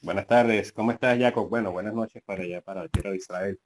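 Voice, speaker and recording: A man's voice: fairly low pitch, steady tone, fast. A man from Venezuela, joining an online class and speaking courteously at length. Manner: courteous, long winding remarks. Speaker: participant asking a question. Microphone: video call.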